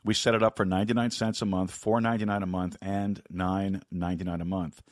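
A man hosting a live Bible podcast, talking in a folksy, rambling way with a slightly scratchy, hoarse voice. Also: sits low, flat delivery, a little fast, no room sound, clean studio sound. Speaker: podcast host and Bible teacher. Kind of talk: casual live podcast talk.

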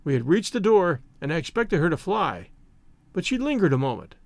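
A male audiobook narrator with a high-pitched voice reads literary first-person prose. His intonation moves widely, and the sound is close and dry. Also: big pitch swings, brisk, no echo.

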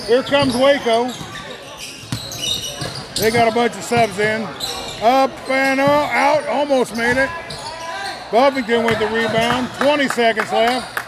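High-pitched man calling basketball, crowd behind. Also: measured pace, long pauses. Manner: folksy, wisecracking. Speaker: play-by-play sports commentator. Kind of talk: live basketball commentary. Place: indoor school gymnasium during a game. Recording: noisy gym with loud crowd. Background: crowd noise, bouncing ball.

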